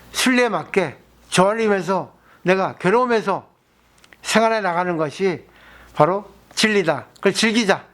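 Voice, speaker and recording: A male Buddhist monk giving a dharma talk, explaining patiently and asking his listeners rhetorical questions. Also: sits high.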